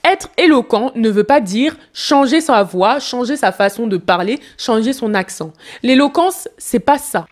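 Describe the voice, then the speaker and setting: A woman's voice: on the high side, lively intonation, measured pace, few pauses. A woman public speaking coach commenting on a televised interview, giving advice straight to the viewer. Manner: advising, direct to viewer. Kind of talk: speech analysis commentary.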